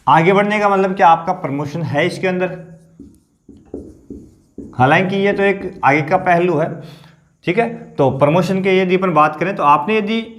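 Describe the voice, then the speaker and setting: Man, coaching teacher, sore throat, slow repetitive explaining. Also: high voice, fairly bright tone. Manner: explains slowly, repeats figures, keeps asking "theek hai na". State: sore throat, clears throat often.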